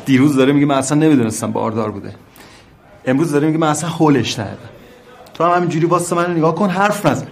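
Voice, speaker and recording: An actor playing a desperate, hot-tempered working-class husband in a film drama, shouting and pleading. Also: male voice, on the high side, vocal fry, a little hiss or hum. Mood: angry.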